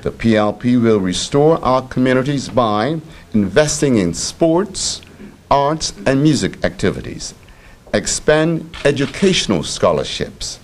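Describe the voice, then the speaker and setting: Formal older man, widely varied pitch. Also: a little hiss or hum. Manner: formal, deliberate, itemizing in measured phrases. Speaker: politician giving a campaign speech. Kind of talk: scripted political speech read at a podium. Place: indoor press conference room at a podium. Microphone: several press microphones on a podium.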